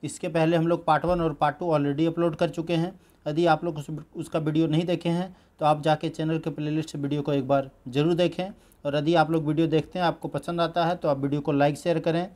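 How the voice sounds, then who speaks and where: A man's voice: on the high side, darkish tone. A man teaching an exam-prep current-affairs lesson, repeating key facts and checking in with his students as he goes. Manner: repeats "thik hai" and "dekhiye" as he explains; drills facts by repeating them slowly.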